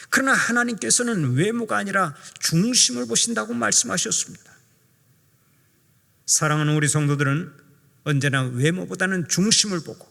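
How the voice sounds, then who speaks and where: Gravelly-voiced older man preaching. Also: sits high, sharp tone. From Jeolla, South Korea. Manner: earnest preaching, acts out quoted speech. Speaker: pastor. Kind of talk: sermon. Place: church sanctuary. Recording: church hall reverb.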